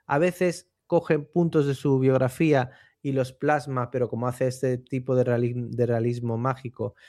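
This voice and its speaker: A man talking through a book and its author in a relaxed radio chat, with thoughtful pauses and tag questions. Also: medium pitch, dry recording, studio quality. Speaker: book commentator on a radio show. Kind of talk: conversational book commentary.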